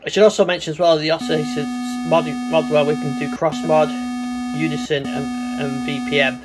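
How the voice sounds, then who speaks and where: A man giving a casual, hands-on synthesizer demonstration, talking in a halting way as he works. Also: a little high, flat delivery, over loud music. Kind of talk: casual hands-on gear demo commentary. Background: synthesizer tones.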